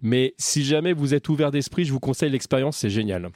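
A man's voice: mid-range voice, expressive, fairly quick, a little mellow, dry recording. Hesitant male podcast host, dry sound. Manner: hesitant, lots of restarts and fillers. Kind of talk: casual podcast chat.

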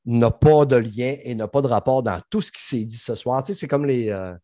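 A man's voice: medium pitch, normal speed, dark tone, no echo. Middle-aged guy, saguenay quebec accent, blunt joker who swears a lot, dry close sound. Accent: Saguenay Quebec French. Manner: swears freely, jokey and blunt. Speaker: podcast host. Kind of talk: casual chat.

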